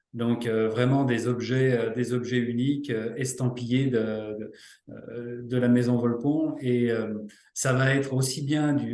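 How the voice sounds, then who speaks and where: A man's medium-pitched voice, dark and mellow in tone, monotone and flat, at a fairly slow pace with audible room echo. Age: 50s. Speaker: cabinetmaker, business owner. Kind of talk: interview. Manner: hesitant, many fillers.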